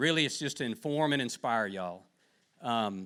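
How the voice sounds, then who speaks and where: A man with a rural Texas accent at a moderate pace, on a very clean recording with a silent background. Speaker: town hall presenter. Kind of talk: public presentation. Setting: fire department hall meeting with audience. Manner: repetitive, halting starts; folksy, conversational.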